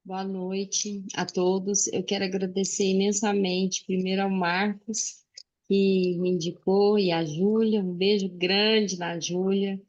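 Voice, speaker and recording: An earnest woman in her 40s from Uberlândia, Minas Gerais, Brazil, joins a friendly chat as a guest speaker to share a personal testimony over a video call microphone. Her mid-range voice is flat and darkish, with the highs cut off, and she pauses often with "é" and "né".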